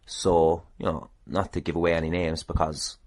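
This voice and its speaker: Speaking at normal speed in a low voice with a completely flat delivery, this Irish podcast host talks by himself. His chat is casual and meandering, marked by dry self-deprecation.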